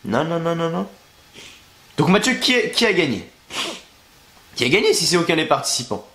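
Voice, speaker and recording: A man's voice: on the high side, sing-song, normal speed, pushed and bright. Sick young male vlogger, congested, sarcastic and crude, recorded in a roomy space. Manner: crude, exasperated, sarcastic ranting. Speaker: wrestling review youtuber. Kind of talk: ranting video review. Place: at home, in a bedroom. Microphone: camera facing him.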